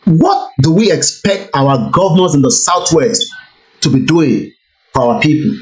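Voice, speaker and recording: A man's voice: a little high, expressive, normal speed, poor audio. A man hosting an online talk show, asking guests pointed questions in a conversational way and mixing Yoruba and English. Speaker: host.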